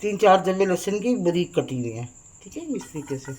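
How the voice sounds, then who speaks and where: A woman's voice: lowish voice, big pitch swings, moderate pace, darkish tone, rough recording. A older Pakistani Urdu-speaking woman with a sore, strained throat, hosting a home cooking tutorial in a motherly way that keeps saying "okay" to her viewers. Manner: motherly, calls viewers "beta", repeats "theek hai". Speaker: cooking channel host. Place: home kitchen at the stove.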